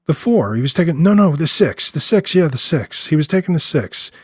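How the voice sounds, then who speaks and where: A man voicing an agitated, confused street man who talks haltingly, repeating and correcting himself. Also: on the high side, very animated, fairly bright tone, husky, no echo, studio quality, voice pushed up, heavily acted.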